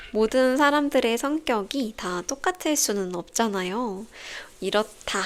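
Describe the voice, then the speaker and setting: Calm young woman teaching slowly. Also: medium pitch. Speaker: Korean teacher podcast host. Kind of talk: slow scripted explainer for learners.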